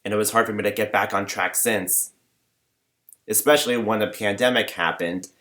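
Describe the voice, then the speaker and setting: A young man rambling in a personal vlog, talking in a flat monotone with many fillers and false starts. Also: on the low side, normal speed. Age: young adult. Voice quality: limited, flat range. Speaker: vlogger.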